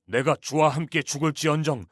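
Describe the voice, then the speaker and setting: A man's voice: fairly high pitch, fairly even intonation, brisk, no echo, clean studio sound, close to an everyday voice. An actor in an audio Bible drama playing an earnest, impulsive grown male disciple who speaks insistently.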